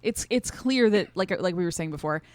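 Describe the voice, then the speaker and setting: A woman's voice: on the low side, expressive, a little fast, dry recording. A woman co-hosting a podcast, casually talking through a review in an agreeable, affirming way. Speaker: podcast co-host.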